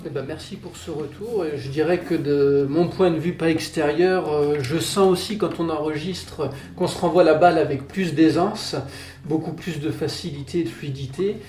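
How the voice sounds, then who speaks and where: A man co-hosting a podcast, his voice a touch higher than most men's and ringing in an echoey room. He talks in measured, carefully built sentences, a little wordy but friendly. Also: fairly even intonation, darkish tone. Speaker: podcast co-host and editor. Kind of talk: casual podcast chat.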